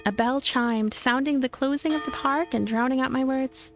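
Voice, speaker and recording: A woman with a high-pitched voice narrates a visual novel expressively. Soft game music runs underneath her reading. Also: moderate pace. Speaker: let's play narrator.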